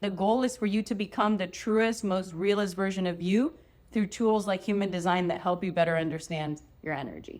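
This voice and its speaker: A woman's unremarkable speaking voice, medium-pitched, at a fairly quick pace. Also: ordinary pitch variation. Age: 30s. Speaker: entrepreneur. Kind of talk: podcast interview.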